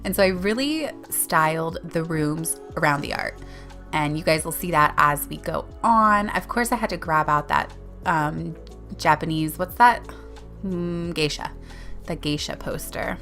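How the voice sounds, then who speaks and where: A woman talks through a casual voiceover for a building game, recorded at home after the fact. She rambles and loops back to fix her own words. Her voice sits a little low, with soft music faintly underneath. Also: a little slow. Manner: rambling, chatty, with frequent self-corrections and small laughs. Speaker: Sims YouTuber narrating a speed build.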